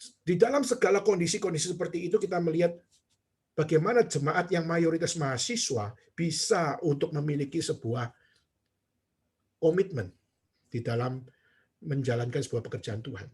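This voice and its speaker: A pastor preaching a sermon in Indonesian, telling stories and asking the congregation rhetorical questions. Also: male voice, fairly high pitch, moderate pace, long pauses, darkish tone, slightly rough. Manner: storytelling, quoting others, rhetorical questions to the congregation.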